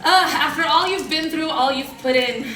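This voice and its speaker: Very high woman onstage in an echoey theatre. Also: normal speed, very noisy. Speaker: cast member giving a stage tribute. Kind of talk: onstage speech to an audience. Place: large theatre stage. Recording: echoey theatre from far off, loud cheering crowd. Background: cheering audience.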